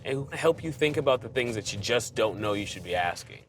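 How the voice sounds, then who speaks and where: A man's voice: medium pitch, expressive, fast talker, very noisy. A man hosting a home-buying show as a realtor, narrating with upbeat enthusiasm and chatting with buyers. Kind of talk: scripted narration and on-site chat. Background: background music.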